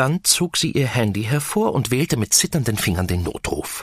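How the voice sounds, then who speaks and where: A man with a medium pitch speaks at a fairly quick pace. His voice is somewhat breathy. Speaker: audiobook narrator. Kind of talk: audiobook reading, dramatic narration. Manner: tense, urgent, emotionally charged.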